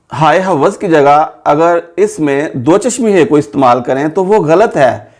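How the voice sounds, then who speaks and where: A man with a Pakistani Urdu accent gives a spelling lesson at a very unhurried pace. His voice sits a little high for a man, and he sounds out each letter and stretches the example words so learners can follow. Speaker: teacher. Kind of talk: slow, methodical spoken lesson.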